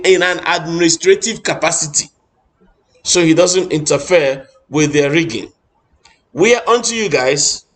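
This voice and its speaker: A middle-aged Nigerian man with a Nigerian English accent, giving impassioned political commentary with emphatic repetition and frequent restarts. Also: on the high side.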